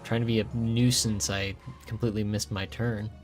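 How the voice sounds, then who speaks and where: A man's voice: fairly low pitch, flat delivery, normal speed. A man streaming a video game, talking through his moves in a playful, chatty way and thinking aloud. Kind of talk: casual let's-play commentary. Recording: faint game music behind.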